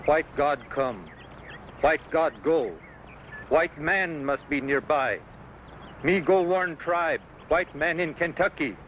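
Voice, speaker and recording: An actor playing a solemn, awestruck tribal scout who speaks in stilted, broken sentences, in an old adventure drama. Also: male voice, a little high, slow. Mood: solemn, alarmed. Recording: dull old recording with faint noise.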